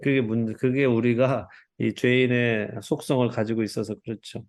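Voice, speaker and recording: A man teaching a Bible study over a video call, in a voice of ordinary pitch. He keeps asking the group questions and acts out quoted speech as he reads. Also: level tone, moderate pace, a little mellow.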